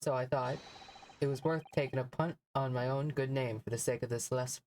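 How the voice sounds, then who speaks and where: A streamer voicing a smooth-talking, self-righteous game witness in a theatrical, deferential manner. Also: medium pitch, steady tone, fairly quick, darkish tone, slight background noise, natural voice. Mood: earnest, noble. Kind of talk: amateur game dialogue reading.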